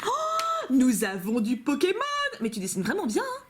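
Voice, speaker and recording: A woman's voice: a little high, very animated, moderate pace, very noisy. A young woman vlogging at home, chatting playfully as she opens fan-made cards, recorded on a camcorder. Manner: gushing, playful, chatty with frequent laughs. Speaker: YouTuber opening fan mail. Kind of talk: casual unboxing chat.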